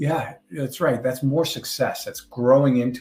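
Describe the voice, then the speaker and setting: With music in the background, a man with an American accent speaks fairly slowly in a medium pitch, his intonation lively. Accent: Brooklyn accent, slight, comes out sometimes. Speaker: business founder, conference speaker. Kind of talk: conference talk.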